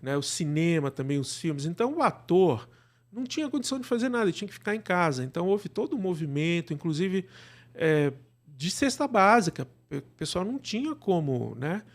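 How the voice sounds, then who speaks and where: A man with a Brazilian accent speaking as an interview guest, conversational and halting, repeating words and adding tag questions. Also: sits high, sing-song. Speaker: interview guest, radio drama producer.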